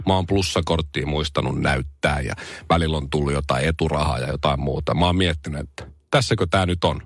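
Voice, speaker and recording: A man's voice: very deep voice, slightly rough, dry recording, studio quality. A man hosting a radio morning show, telling a comic story in casual chat with mock pride.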